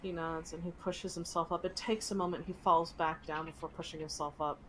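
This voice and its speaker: A woman game master improvising descriptive narration for a tabletop game in a halting way. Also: lowish voice, fairly even intonation, a little hiss or hum.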